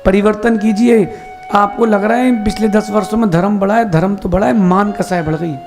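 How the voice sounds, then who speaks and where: A man, a Jain monk, giving a sermon with slow emphatic explanations and rhetorical questions. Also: sits high, steady tone, darkish tone, soft background music.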